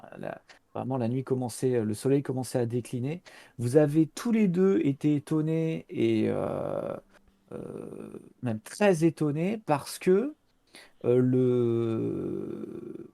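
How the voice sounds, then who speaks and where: A man's voice: medium pitch, gravelly, mellow. A man running a tabletop role-playing game as game master, explaining the scene with lots of hesitations and restarts. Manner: hesitant, many fillers and restarts while explaining.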